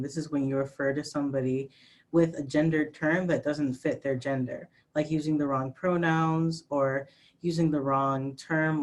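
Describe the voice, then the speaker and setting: Calm, explanatory trans trainer with a higher voice. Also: low-quality recording. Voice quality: fairly high voice. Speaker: trainer and panel moderator. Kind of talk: training talk and moderating.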